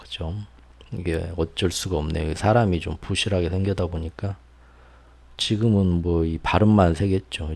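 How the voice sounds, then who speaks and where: A man talks at a moderate pace in a very deep, low, somewhat breathy voice with ordinary pitch variation. The recording is very clean with a silent background. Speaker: economics commentator. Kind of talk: casual monologue commentary. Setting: solo livestream-style recording. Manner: words often tangled, mispronounces; conversational, filler-heavy.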